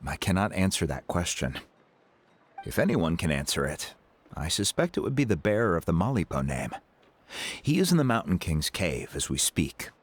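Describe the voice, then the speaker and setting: A man voicing a calm, thoughtful tribal chief who explains events in a game cutscene. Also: low voice, moderate pace. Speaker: tribe chief.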